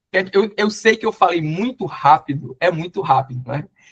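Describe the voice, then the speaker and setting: A man talks at a moderate speed, his intonation lively throughout. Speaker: court civil servant and trainer. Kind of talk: tutorial. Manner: casual.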